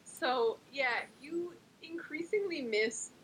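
A woman's voice: sits high, slow pace, fairly bright tone, low-quality recording. A young woman from New Jersey co-hosting a podcast, rambling casually with lots of fillers. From New Jersey, USA. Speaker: podcast co-host. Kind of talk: casual chat.

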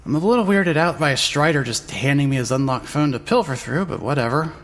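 A man's voice: on the high side, lively intonation, a little fast, a bit bright. An actor with a male-sounding voice playing a groggy, irreverent young trans woman with a casual, sardonic manner in a fan-dub audio drama. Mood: wry, uneasy. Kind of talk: scripted first-person dialogue and narration.

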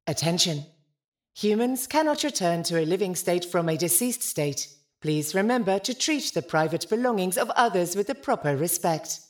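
A woman's voice: fairly low pitch, animated, normal speed, natural voice. A woman voicing an impassive automated ship announcement in an audio drama, formal, stilted and creepy. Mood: cold, formal.

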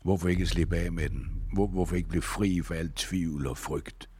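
Man reading desperate proud warrior, forceful, extremely low voice, husky, dry close sound. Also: fairly even intonation. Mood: coaxing. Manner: pleading then accusing, forceful. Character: proud desperate male warrior turning menacing. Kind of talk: read-aloud book dialogue.

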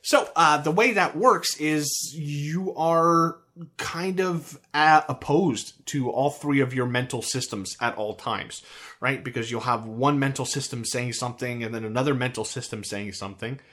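A man's voice: mid-range voice, measured pace, fairly bright tone. A man with an American accent, co-hosting a podcast about a video game in casual, rambling chat full of restarts. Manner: rambling, with frequent restarts and fillers. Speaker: podcast co-host.

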